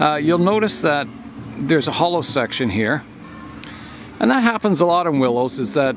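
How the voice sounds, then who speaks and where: A man's voice, dry sound with no echo, and music in the background. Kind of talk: tutorial. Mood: relaxed, enthusiastic. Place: waterside. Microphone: phone near.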